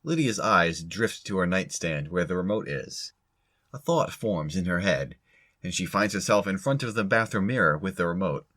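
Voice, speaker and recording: Low-pitched audio drama narrator. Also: lively intonation, moderate pace, fairly bright tone.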